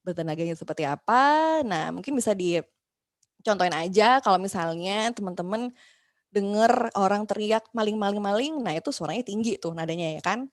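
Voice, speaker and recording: A woman leads an online voice workshop, chatting with her listeners as friends and acting out the complaints she quotes. Her voice sits at a middle pitch. The sound is dry and close, with no room echo. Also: lively intonation, normal speed. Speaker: voice and podcasting workshop instructor. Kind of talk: casual online class teaching.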